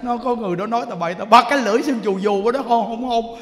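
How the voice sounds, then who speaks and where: A man with a high-pitched voice gives a storytelling sermon. He acts out the dialogue in his stories and laughs as he goes. His voice rings on in a hall with a long reverb. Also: very fast, fairly bright tone. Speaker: monk.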